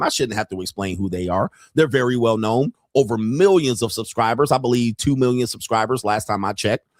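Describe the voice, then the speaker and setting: A man's voice: medium pitch, no echo. A man hosting a casual commentary livestream, joking and rambling in slangy talk. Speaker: podcast host.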